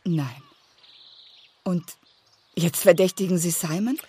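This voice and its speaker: Anxious, breathy village wife. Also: female voice, on the low side, slow pace, dark tone, no room sound, full character voice. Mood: pleading. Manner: hesitant, pleading. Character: anxious, distressed village wife, loyal and timid. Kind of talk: German radio play acting.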